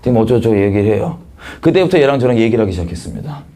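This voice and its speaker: A man's voice: medium pitch, very animated, very fast, dark tone. A man giving a missionary testimony sermon, telling his story in a frank, colloquial way and acting out the voices he quotes. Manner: frank, colloquial, self-mocking.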